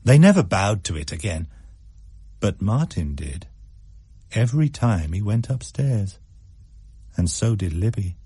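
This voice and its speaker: Man reading a creepy story, low mellow voice, bit husky, dry close mic. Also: sing-song, dry recording. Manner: measured, suspenseful storytelling. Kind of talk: scripted story narration.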